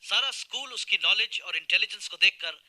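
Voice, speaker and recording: A formal school principal. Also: male voice, high voice, animated, brisk, poor audio. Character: school principal phoning a parent.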